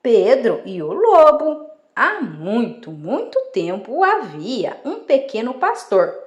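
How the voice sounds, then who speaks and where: A woman reading children's fables aloud as a storyteller, in an expressive storytelling manner. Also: a little high, reverberant.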